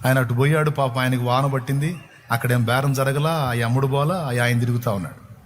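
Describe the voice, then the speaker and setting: A man's voice: mid-range voice, fairly even intonation, a little fast, a little hiss or hum. Male preacher, storytelling sermon, dramatic and repetitive, mid-range voice. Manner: dramatic, repetitive, rising to proclamation. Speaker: pastor.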